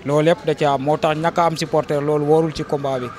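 A man's voice: on the high side, level tone, fast, darkish tone. A young Senegalese man giving his opinion in a street interview, speaking steadily and repeating his point. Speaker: local resident interviewee. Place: outdoors by a wall. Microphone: handheld reporter mics held close.

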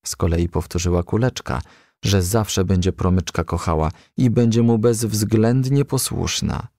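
A man reading a children's story aloud as a scripted narration, in an expressive, measured storytelling manner. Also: on the low side, no room sound, clean studio sound. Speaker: audiobook reader.

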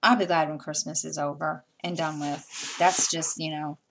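A chatty middle-aged woman talks to her camera at home while she stitches. Her voice sits low, and she wanders through her thoughts with fillers and restarts. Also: fairly even intonation, moderate pace, a bit bright. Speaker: stitching vlogger. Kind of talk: casual chat while stitching. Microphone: camera mic.

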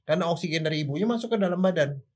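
An older man who works as a forensic doctor explains things in a casual chat, using rhetorical questions and animated sound effects. His voice is a little high and he talks very fast.

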